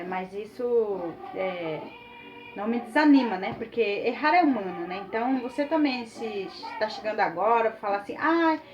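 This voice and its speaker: A woman talks through a relaxed online language lesson, filling her sentences with little fillers as she encourages her students. Her voice sits a little high. The sound is dull and lo-fi, with faint music playing underneath. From Mato Grosso do Sul, Brazil. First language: Guarani. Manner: chatty, many fillers, encouraging. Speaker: Guarani language teacher.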